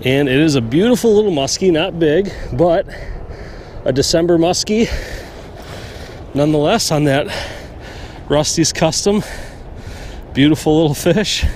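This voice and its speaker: A man's voice: a little high, expressive, unhurried, long pauses, darkish tone. A man in his thirties hosting a fishing vlog from a small boat on a lake, chatting upbeat about his gear. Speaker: fishing show host. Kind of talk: casual outdoor fishing vlog. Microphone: action camera on the boat. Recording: wind and water noise outdoors.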